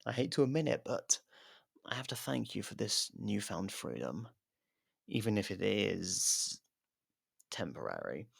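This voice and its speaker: A man playing a guarded, sarcastic, foul-mouthed convicted murderer in an ASMR roleplay audio drama, with a gravelly, creaky voice. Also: fairly low pitch, big pitch swings, measured pace, pauses often, no echo, studio quality, heavily acted. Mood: wry, reluctant. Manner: sardonic, foul-mouthed, needling.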